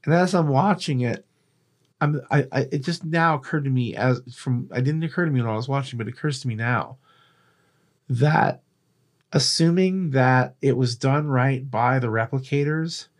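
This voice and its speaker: Guy cohosting a podcast, normal pitch, rambly explainer, casual, swears a bit. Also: moderate pace. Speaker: podcast co-host. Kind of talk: casual chat.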